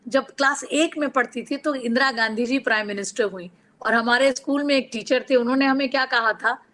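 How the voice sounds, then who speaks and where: A woman's voice: sits high, fairly quick, a bit bright. Earnest middle-aged woman author from Bihar. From Bihar, India. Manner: earnest, reflective, personal anecdotes. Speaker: guest author. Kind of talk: interview answers.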